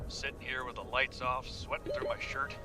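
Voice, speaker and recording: A man's voice: mid-range voice, steady tone, normal speed, natural voice. A male actor playing a wry, grumbling survivor recording an audio log in a game, speaking colloquially. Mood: wry, tense. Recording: distant game log under music.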